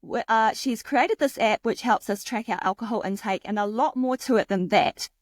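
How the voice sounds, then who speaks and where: A woman's voice: a little high, normal speed, no room sound. A middle-aged woman, hosting a podcast interview in a chatty, encouraging way. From New Zealand. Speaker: podcast host.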